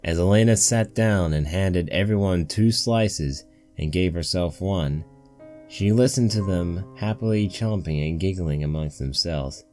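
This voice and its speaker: Male story narrator, deep and soft-edged, scripted read. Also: measured pace, faint music behind. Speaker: narrator of a fan fiction reading.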